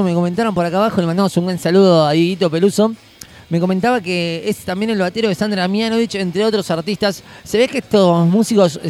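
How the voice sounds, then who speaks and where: Man, Argentine accent, high voice, live show host, chatty, slangy, enthusiastic. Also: a little mellow. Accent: Argentine Spanish. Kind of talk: casual live broadcast chat. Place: live music venue.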